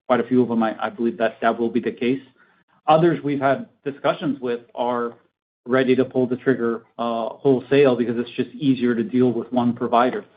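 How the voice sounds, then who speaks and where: A man speaking as a company executive on an earnings call, answering in a measured, formal way with hesitant pauses. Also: mid-range voice. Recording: narrow phone-like conference call audio.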